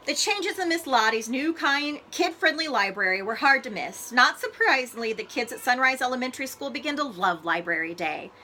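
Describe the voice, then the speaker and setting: Animated, bright-voiced woman reading to children. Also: sits high, slight background noise. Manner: expressive, deliberate phrasing for children. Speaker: school librarian reading aloud to students. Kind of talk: animated children's storybook read-aloud.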